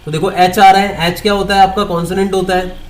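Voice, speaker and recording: A man runs an online English grammar class, firing off questions to his students and supplying the answers himself. His high voice is flat and fast, set against slight background noise. He repeats points and mixes Hindi in with English terms.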